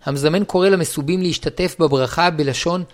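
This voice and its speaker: A man reading a Jewish law book aloud in a measured, steady recitation, now and then restarting a word. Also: fairly high pitch. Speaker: reader of a Jewish law text. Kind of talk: formal read-aloud of a religious law book.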